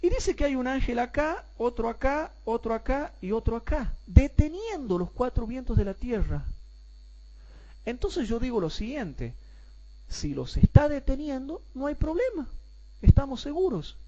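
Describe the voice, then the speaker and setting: Mellow-voiced man teaching a Bible class. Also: very high-pitched, very animated, dull audio. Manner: repeats rhetorical questions and addresses listeners as brothers; explains slowly and repeats points for clarity.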